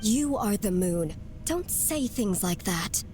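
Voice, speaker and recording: An actress voicing a gentle, wistful female character in a video game. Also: medium pitch, expressive, slow. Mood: soft, wistful. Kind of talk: game voice acting. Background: music.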